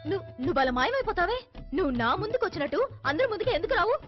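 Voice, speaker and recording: An actress dubbing a stubborn young woman camper who talks quickly and insistently. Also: extremely high pitch, very animated. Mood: defiant. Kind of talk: Telugu film dub. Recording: dull film dub with music.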